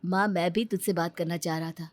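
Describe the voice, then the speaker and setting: A woman voicing a grown son who reasons gently with his mother in an animated story. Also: on the low side, brisk, slight background noise, pitched below the performer's own voice, lightly acted. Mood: reasoning.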